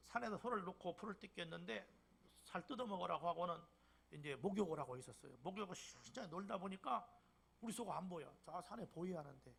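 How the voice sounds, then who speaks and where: An older man in his sixties with a Jeolla dialect, preaching a sermon as a pastor in church, with emphatic bursts and soft whispered drops. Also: high voice, vocal fry, husky. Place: church sanctuary.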